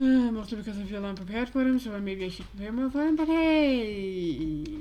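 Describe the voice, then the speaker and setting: Through noticeable background noise and audible room echo, a woman speaks at a fairly quick pace with a fairly high pitch and lively intonation. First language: Danish. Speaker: video game streamer. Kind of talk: live gaming stream chat. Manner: casual, halting with restarts.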